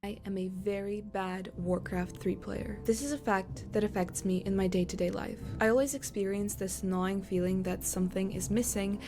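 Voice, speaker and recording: A woman giving scripted documentary-style narration of her own video, with dry, deadpan humor and a slow, deliberate delivery. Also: medium pitch, music in the background.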